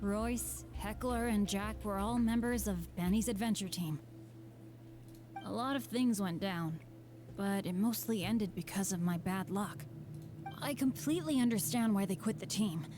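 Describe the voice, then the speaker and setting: A woman's voice: mid-range voice, unhurried, a little mellow, faint music behind, close to an everyday voice. A woman voicing an earnest, good-hearted, unlucky teenage boy adventurer in a video game. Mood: downcast, resigned. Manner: boyish, earnest. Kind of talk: video game character voice acting.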